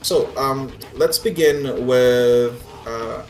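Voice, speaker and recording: A man's voice: medium pitch, very slow, darkish tone. A man running a tabletop role-playing game as game master, narrating in a casual, sweary way. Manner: casual, profane. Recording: roomy echo, faint music behind.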